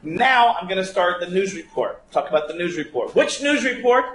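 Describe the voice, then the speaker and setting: A man's voice: high voice, expressive, normal speed, fairly bright tone. A man teaching a live writing class, thinking aloud and putting playful, teasing questions to his students. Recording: echoey room with faint background noise.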